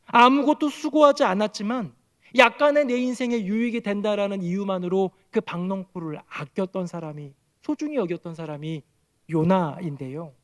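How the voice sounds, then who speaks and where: A man, a senior pastor, preaching a sermon, telling the story vividly and acting out the quoted speakers. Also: moderate pace. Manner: animated storytelling, acting out quoted voices with raised pitch.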